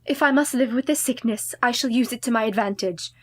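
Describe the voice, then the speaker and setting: An actress playing a grave, resolute young wife in a radio play, formal and earnest. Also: female voice, on the high side, brisk, close to an everyday voice. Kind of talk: community radio play acting.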